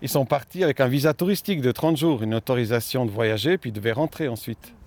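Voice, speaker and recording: A man's voice: mid-range voice, quick pace, a little mellow. A man being interviewed as an author, with a light Swiss French accent that has an unplaceable touch. He talks in a thoughtful, hesitant way with many fillers, walking outdoors. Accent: light French-speaking Swiss with an unplaceable touch. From Romania. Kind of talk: conversational interview.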